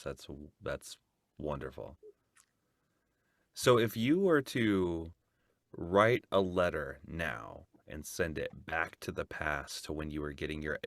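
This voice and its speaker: Deep, slow-talking male podcast host. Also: gravelly, a bit bright, no room sound, clean studio sound. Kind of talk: casual interview.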